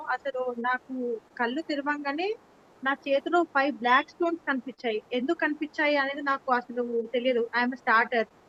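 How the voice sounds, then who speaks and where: In a Telugu accent, a woman speaks at a fairly slow pace with a high pitch. Her tone is bright and sharp, and the sound is dry and close with no echo. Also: ordinary pitch variation. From India. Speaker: meditation session participant. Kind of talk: audience question. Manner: halting.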